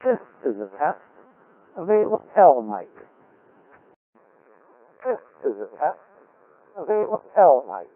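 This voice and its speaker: Guy doing slow mic test, sounds squashed and phone-like thru a radio codec, pitch swings around. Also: big pitch swings. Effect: compressed radio codec with band filters. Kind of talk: slow microphone test readout. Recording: muffled, phone-like, band-filtered codec audio.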